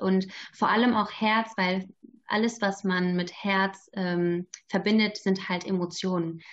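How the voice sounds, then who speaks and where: Her intonation fairly even, a woman with a medium pitch speaks at a very slow pace. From Germany. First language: Turkish (speaking German). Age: 20s. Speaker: teacher-training student. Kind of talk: interview.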